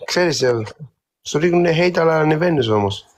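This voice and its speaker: Διστακτικός άντρας καλεσμένος. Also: male voice, on the high side, expressive. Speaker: guest. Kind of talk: casual chat.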